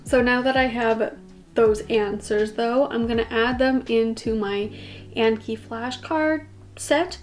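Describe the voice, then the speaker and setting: A young woman from Canada chats to her vlog camera with a slightly high voice. She rambles easily, dropping fillers and small laughs. Soft music plays underneath. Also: takes it slowly. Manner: chatty, filler-heavy, laughs often. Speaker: vlogger. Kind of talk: casual vlog talk to camera.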